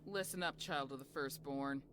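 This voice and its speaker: An actress playing a stern, commanding guardian goddess who speaks in a measured, imperious, clipped way in a visual novel game. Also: female voice, a bass voice, fairly bright tone, slight background noise. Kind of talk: visual novel character acting. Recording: music behind the voice.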